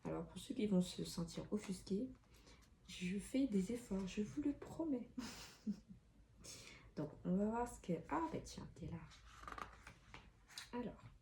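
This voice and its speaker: A tarot card reader with a warm, mid-range voice and lively intonation reads oracle cards casually and chattily, a little slowly with long pauses, full of fillers and restarts. Faint street noise drifts in through an open window in the room.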